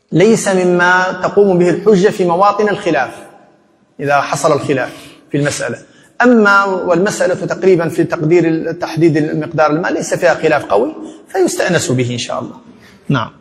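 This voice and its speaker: A man's voice: high-pitched, animated, fast talker, big-room sound. A man teaching a lesson on Islamic law, explaining a text and quoting scholarly opinions.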